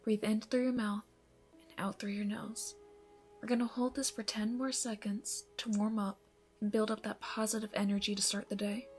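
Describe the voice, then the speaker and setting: Actress as calm, encouraging female yoga teacher for ASMR roleplay; soft, near-whispered guidance, medium pitch, light music underneath. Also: moderate pace, close to an everyday voice. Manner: soothing, breathy instructions, often softening toward a whisper. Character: gentle, encouraging female yoga instructor leading a morning class. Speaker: yoga instructor.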